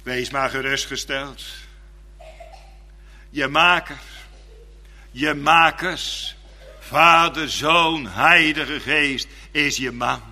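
A man delivers a sermon in a high, strikingly bright voice, taking his time over each fervent phrase. His words ring out with a long reverb, as in a church hall. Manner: slow, fervent preaching with quiet, drawn-out phrases. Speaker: preacher.

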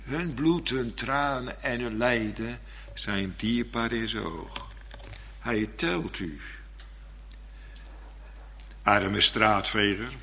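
A man's voice: mid-range voice, drawn-out words, pauses often, bright, forceful tone, a little hiss or hum. A male minister delivering an earnest, repetitive Reformed sermon in a church. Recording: long church reverb.

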